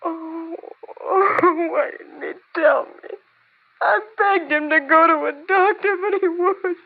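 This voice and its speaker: A woman's voice: high voice, slow. An actress in a 1950s radio drama playing a grief-crazed, anguished and pleading widow, a worn-down ranch mother. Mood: tearful anguish. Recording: tinny, narrow-band old radio recording.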